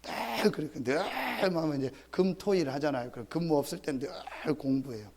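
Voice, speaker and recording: Animated pastor preaching. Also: male voice, a little high, a little fast, creaky, a crowd in the background. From Chungcheong, Korea. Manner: animated preaching that swings from soft asides to loud emphatic outbursts; conversational, with many fillers and direct appeals to the congregation. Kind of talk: sermon.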